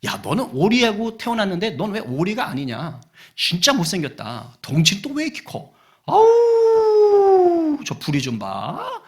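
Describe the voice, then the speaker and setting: A man's voice: high-pitched, huge pitch swings, measured pace, pitched above the performer's own voice, heavily acted. A male pastor voicing a flock of barnyard ducks who sneer at and tease a newcomer, as part of a storybook tale in a sermon. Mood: mocking. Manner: cackling, sneering teasing. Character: mocking jeering barnyard ducks.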